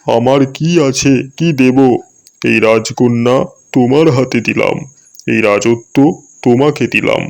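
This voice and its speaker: A man's voice: mid-range voice, steady tone, unhurried, creaky, a little mellow. A man voicing a grateful, kindly king in a cartoon fairy tale, formal and earnest. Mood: grateful, solemn. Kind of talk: cartoon story acting.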